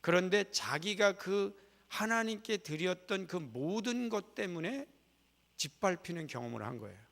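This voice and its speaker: A middle-aged male preacher tells stories from the pulpit in a chatty, joking way. His voice is strongly gravelly and sits a little high. The sound rings out with a long reverb in the church sanctuary. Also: lively intonation, moderate pace, a bit bright. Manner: folksy, humorous and conversational. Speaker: guest preacher at a revival meeting. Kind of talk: storytelling sermon.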